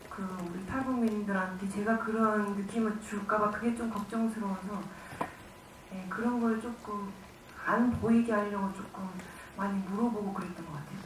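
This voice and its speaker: An actress from Gwangju giving halting, informal answers at a press conference. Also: female voice, medium pitch. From Gwangju, South Korea. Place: cinema auditorium. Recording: echoey hall, distant mic, noisy.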